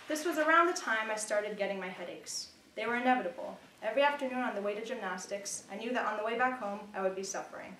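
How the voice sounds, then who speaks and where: A woman's voice: fairly high pitch, fairly bright tone, far from the mic, a little hiss or hum. Young woman reading in an echoey room. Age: young adult. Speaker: student reader. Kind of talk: literary reading of personal prose.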